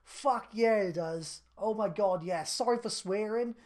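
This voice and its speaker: A man in his thirties on a live stream, reading out viewer questions and answering them in a relaxed, chatty way with lots of fillers. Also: high voice, a little slow. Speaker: craft business live streamer.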